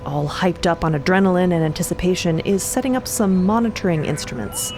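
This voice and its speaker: A woman's voice: lowish voice, brisk, background noise. A woman narrating an adventure story for a fiction podcast in dramatic present tense.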